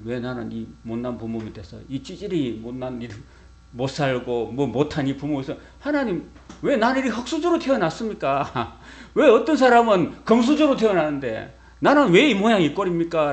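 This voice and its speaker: Lively middle-aged man preaching conversationally. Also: a little high. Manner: conversational preaching with rhetorical questions to the congregation. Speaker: pastor. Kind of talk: sermon.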